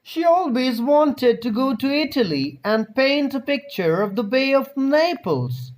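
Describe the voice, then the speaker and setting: A man voicing a worried young woman painter in a story, gentle and earnest, answering plainly. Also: very high voice, very animated, a little slow, voice pushed up, full character voice, low-quality recording.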